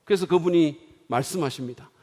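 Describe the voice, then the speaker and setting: A middle-aged man preaching a sermon in a church, swinging dramatically from hushed, quiet lines to loud exclaiming. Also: a little high, fairly quick. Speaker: pastor. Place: church sanctuary. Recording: long hall reverb.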